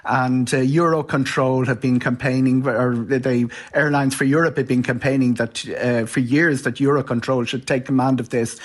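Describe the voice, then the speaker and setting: A man's voice: mid-range voice, steady tone, moderate pace, few pauses. A man with an Irish accent giving an explanatory live radio news interview as a travel commentator, informal and somewhat stop-start.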